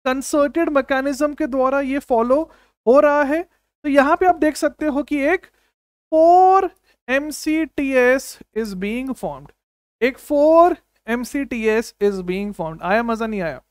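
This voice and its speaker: High-voiced energetic male chemistry tutor. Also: slow pace, no echo, studio quality. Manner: energetic, keeps asking the class rhetorical questions; repeats short commands like "don't write, understand". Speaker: chemistry teacher. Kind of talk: exam-coaching lecture.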